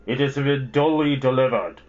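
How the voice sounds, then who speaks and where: A man voicing a cold armored giant messenger with a metallic voice, delivering a slow, formal proclamation. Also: medium pitch, darkish tone, lo-fi sound, natural voice.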